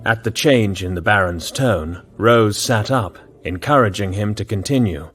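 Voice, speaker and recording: A man narrating an audio drama in a measured storytelling manner. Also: lowish voice, fairly bright tone, husky, faint music behind.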